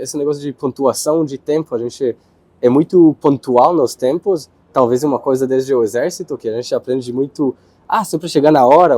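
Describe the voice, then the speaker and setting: A young man from Israel with an Israeli accent, answering interview questions in his second language, pausing and searching for words. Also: mid-range voice, warm tone, no echo. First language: Hebrew. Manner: hesitant, searching for words, with restarts.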